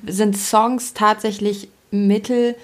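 A young woman you might hear across a Berlin kitchen table, thinking out loud in loose slang on a chatty podcast. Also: mid-range voice, flat delivery, takes it slowly. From East Germany, raised in Berlin. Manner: rambling, self-reflective, slangy. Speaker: podcast co-host. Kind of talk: casual conversational podcast chat.

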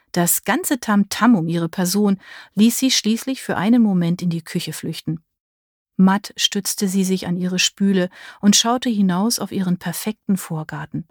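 A woman's voice: on the low side, dry recording. Dry-voiced woman reading a romance. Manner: expressive storytelling. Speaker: audiobook narrator. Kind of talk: scripted narration.

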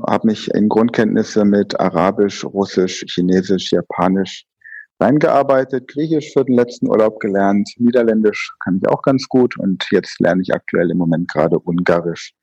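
A native German-speaking man, a guest on an interview podcast, explaining fluently in a relaxed way. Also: on the low side, normal speed, husky, no room sound, highs cut off. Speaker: guest, learning expert. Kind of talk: conversational interview.

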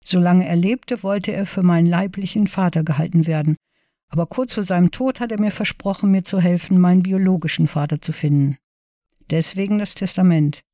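A woman reading as a quiet, firm young woman. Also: fairly low pitch, fairly quick, no echo, close to an everyday voice. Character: young woman confronting her absent father.

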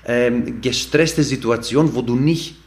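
A man's voice: mid-range voice, takes it slowly. A man who is not a native speaker, explaining ideas earnestly through everyday examples with many fillers and restarts, as a podcast guest. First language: not German. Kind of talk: casual explanatory talk.

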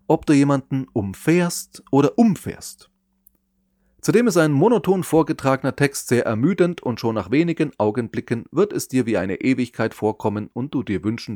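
A man giving scripted advice on public speaking, in a measured, explanatory way with lively emphasis. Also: mid-range voice, no room sound, studio quality. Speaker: podcast host and speaking coach.

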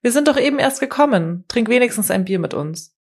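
A woman's voice: fairly high pitch, lively intonation, brisk, darkish tone, slightly rough, pitched above the performer's own voice. A woman voicing an eager, pushy young man who coaxes his friend out to party. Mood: insistent.

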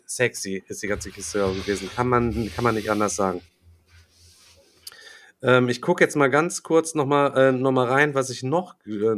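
A young man hosting a podcast tells a story in loose, slangy chat and keeps throwing in filler words. His voice sounds bright and forceful, sitting at a middle pitch. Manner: slangy, rambling storytelling full of "Alter" and "Digga". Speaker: podcast host. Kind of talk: casual chat.

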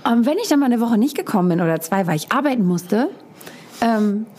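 A woman's voice: a little high, brisk. A woman from Hamburg, a guest in an interview, telling her own story frankly and acting out the lines of the people in it. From Hamburg, Germany. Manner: animated, acts out quoted dialogue. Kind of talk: candid personal storytelling.

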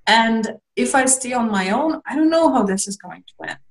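A young woman from Lithuania speaks with a slightly high voice. She talks candidly and reflectively as an interview guest, pausing, restarting, and letting out small laughs. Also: expressive.

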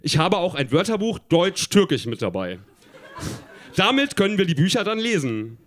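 A calm, helpful young boy from a storybook, speaking plainly and steadily with a lively, moving lilt, as a man reading aloud puts him on. The voice sits a touch higher than most men's. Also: moderate pace. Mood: eager.

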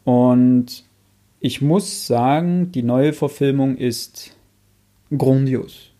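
A man's voice: medium pitch, very slow, dark tone. A man in casual podcast chat, thinking aloud with frequent restarts and enthusiastic recommendations, close on a studio mic.

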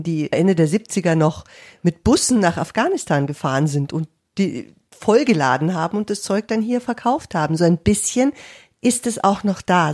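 A woman's voice: lowish voice, a little mellow. A woman in her fifties in casual conversation as a podcast co-host, reflective and searching for words.

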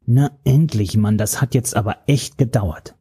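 A man's voice: mid-range voice, a little slow, mellow, breathy edge. A man voicing a smug, mocking young male henchman who talks down to an old man. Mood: taunting. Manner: mocking, chatty, condescending. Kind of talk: audiobook character voice.

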